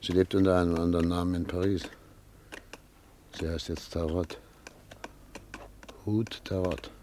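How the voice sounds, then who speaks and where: An actor playing an anguished exiled husband in a radio drama, earnest and husky. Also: male voice, low-pitched, little pitch movement, measured pace, warm tone, a little hiss or hum. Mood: subdued, concerned. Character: anguished male exile, a husband desperate for the truth.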